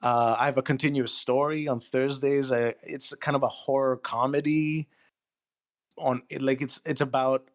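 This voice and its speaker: A man's voice: mid-range voice, little pitch movement, normal speed. A man speaking as a guest writer in a casual interview, modest and self-deprecating about himself.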